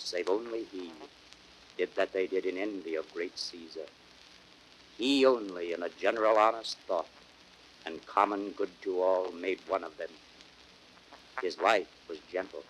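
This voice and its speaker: An actor playing a stately victorious Roman leader with measured oratory, in a hissy old radio Shakespeare drama. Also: male voice, sits low, low-quality recording. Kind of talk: 1930s radio Shakespeare acting.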